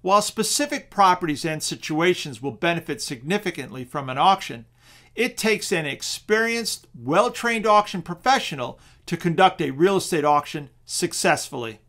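High-voiced man giving a persuasive pitch. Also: normal speed. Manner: steady, persuasive sales pitch. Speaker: real estate auction presenter. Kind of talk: scripted webinar narration.

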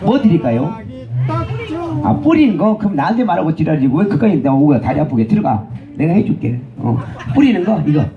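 High, lively rowdy male hawker. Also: fairly quick, phone-quality sound, over music. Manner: bantering, teasing, shouted cues. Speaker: street performer and vendor. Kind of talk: rowdy comic banter with a crowd. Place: outdoor festival stage.

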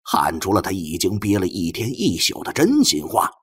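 A man narrating an audiobook as an animated, theatrical dramatic storyteller. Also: deep voice, normal speed, husky. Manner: expressive, theatrical delivery.

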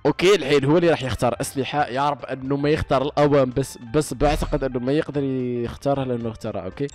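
A young man, giving excitable, boastful commentary over his own gameplay and trash-talking opponents. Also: mid-range voice, racing, soft background music. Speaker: gaming YouTuber.

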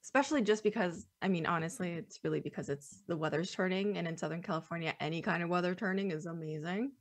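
A woman co-hosting a podcast in casual chat, talkative and quick to laugh, rambling loosely between thoughts. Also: on the low side. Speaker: podcast co-host.

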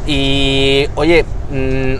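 A man's voice: medium pitch, completely flat delivery, drawn-out words. A man with a Madrid accent hosting an interview, asking long questions and giving frequent encouraging backchannels on an outdoor terrace. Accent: Madrid Spanish. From Madrid, Spain. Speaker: interviewer and show host. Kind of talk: casual interview. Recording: outdoor crowd murmur behind.

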